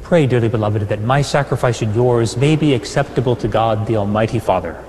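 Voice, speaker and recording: A man celebrating Mass as a priest, reading set prayers in a measured, solemn way and chanting parts of them, with a long cathedral echo behind his voice. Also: mid-range voice, noisy background. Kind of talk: liturgical prayer, partly chanted. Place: large church. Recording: long church reverb.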